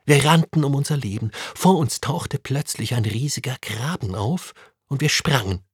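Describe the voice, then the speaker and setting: A man reading a first-person adventure story aloud, with an animated, expressive delivery. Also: mid-range voice, moderate pace, breathy edge, no echo, studio quality. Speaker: story reader.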